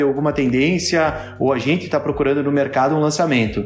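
Audible room echo and noticeable background noise surround speech at a fairly quick pace with fairly even intonation. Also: man. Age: 30s. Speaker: furniture manufacturer director. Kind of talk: casual podcast interview. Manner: hesitant, many fillers.

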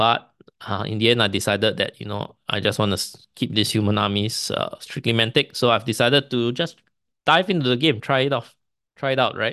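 Talking at a fairly quick pace, a man has a medium pitch and ordinary pitch variation. His tone is bright and sharp, and the background is quiet. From Singapore. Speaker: tabletop gaming YouTuber. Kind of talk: casual solo video commentary. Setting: home recording with screen share. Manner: informal, with frequent fillers.

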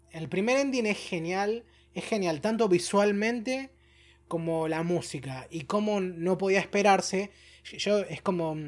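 The speaker is a man. His pace is fairly slow. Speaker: anime podcast host. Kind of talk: casual chat.

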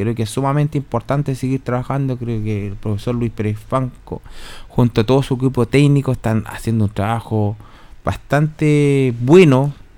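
A man speaks at a moderate pace with a dark, mellow tone and medium pitch, on a very clean recording with a silent background. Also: fairly even intonation. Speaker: city councillor. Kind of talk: radio interview. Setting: radio studio.

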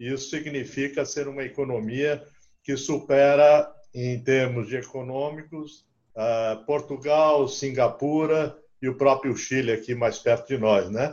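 A man speaks in a normal speaking voice, pitched fairly high. His pace is fairly slow and his intonation fairly even. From Porto Alegre, southern Brazil. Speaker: logistics engineer and lecturer. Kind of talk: casual interview.

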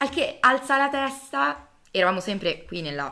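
A woman's bright, sharp voice at a moderate pace, with very wide pitch swings. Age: 20s. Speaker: podcast co-host, university student. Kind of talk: casual chat. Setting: home kitchen.

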